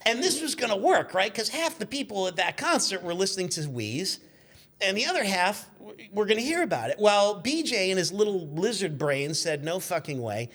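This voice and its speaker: A man in his fifties telling stories casually and in an animated, profane way as a podcast guest. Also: high-pitched, normal speed. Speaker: podcast guest, former radio intern. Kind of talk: casual storytelling.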